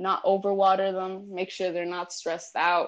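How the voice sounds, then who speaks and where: Against a quiet background, a woman with a Spanish accent speaks at a fairly quick pace. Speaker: interviewee. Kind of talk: casual chat. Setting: phone call.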